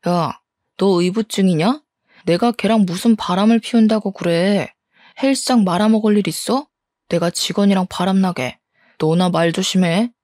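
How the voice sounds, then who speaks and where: A woman's voice: mid-range voice, normal speed, darkish tone, no echo, studio quality, natural voice. A woman voicing an angry cheating husband who blusters, scoffs and shifts the blame. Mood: scornful. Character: angry, defensive cheating husband in his thirties. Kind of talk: audio story dramatization.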